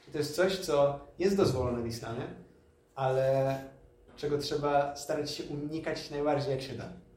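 Amid noticeable background noise and audible room echo, a man with a fairly high pitch talks at a moderate pace, his intonation fairly even and his loudness swinging widely. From Poland, Lublin. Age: 20s. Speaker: imam. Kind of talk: talk to an audience.

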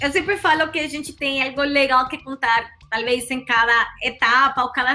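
A woman with a Salvadoran accent at a moderate pace, ordinary pitch variation, over noticeable background noise. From El Salvador. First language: Spanish (speaking Portuguese). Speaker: marketing executive. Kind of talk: podcast interview.

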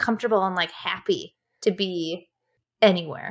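A woman talks with a Wisconsin accent and lively intonation. The recording is very clean, with a silent background. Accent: Midwestern, Wisconsin. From Milwaukee, Wisconsin. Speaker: marketing leader. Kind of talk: casual chat.

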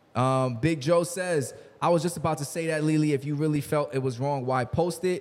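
Noticeable background noise sits behind a man whose voice is fairly high. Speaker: livestream podcast host. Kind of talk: casual chat. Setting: studio. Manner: animated.

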